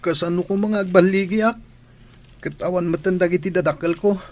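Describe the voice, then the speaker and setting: A man's voice: sits high, steady tone, brisk, a little mellow, natural voice. A man playing a grieving, discouraged orphaned schoolboy, plaintive and emotional, in an audio drama. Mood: dejected. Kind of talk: Ilocano radio-style drama acting.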